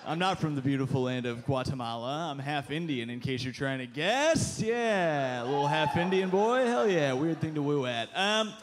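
A man in his thirties doing a stand-up set on a club stage with a handheld mic, punchy and animated, with loud put-on voices. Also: on the high side, unhurried. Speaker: stand-up comedian. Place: club stage before a live audience. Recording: live club recording with crowd noise. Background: audience laughter.

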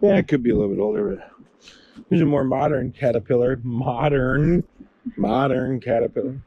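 A man's voice: mid-range voice, expressive, normal speed, vocal fry. A middle-aged man giving rambling, casual commentary as he walks outdoors and points things out. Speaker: vlogger. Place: outdoors on a windy beach. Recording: muffled outdoor recording with loud wind.

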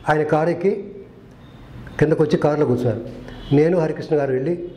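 A man's voice: fairly high pitch, fast talker, mellow, a little hiss or hum. An older man, a film director, telling stories from past film shoots and acting out the dialogue of the people in them. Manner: acts out quoted dialogue, earnest. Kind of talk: storytelling anecdote. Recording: echoey room.

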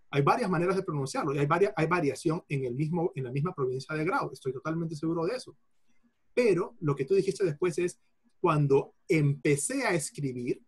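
A man gives an explanatory lecture to an audience, his voice slightly husky and a touch higher than most men's. He works through examples by repeating them and breaks off phrases to restart them, in a patient, teacherly way. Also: a little mellow. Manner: didactic, repeats examples, self-corrects mid-phrase. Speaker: lecturer on Quechua linguistics. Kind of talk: explanatory lecture answering a participant.

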